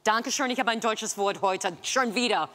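A middle-aged woman with a bright, crisp-edged voice and an American accent in her German. She is a native English speaker who chats casually and hesitates as she searches for words. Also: mid-range voice. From United States. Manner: halting, searching for words with learner's grammar. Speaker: show panelist. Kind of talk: casual chat.

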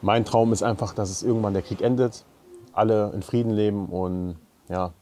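A man's voice: lowish voice, steady tone, moderate pace, warm tone, slight background noise. A man in his thirties from Saarbrücken speaking earnestly and steadily in an interview. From Germany (Saarbrücken). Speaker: restaurant co-owner. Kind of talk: interview statement.

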